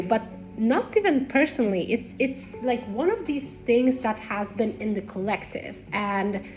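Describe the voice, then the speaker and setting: A woman with a congested, nasal voice giving unscripted spiritual talk to followers in a halting, rambling way. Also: mid-range voice, a little mellow, poor audio. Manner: halting, rambling, repeats phrases. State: congested with a cold. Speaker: spiritual content creator.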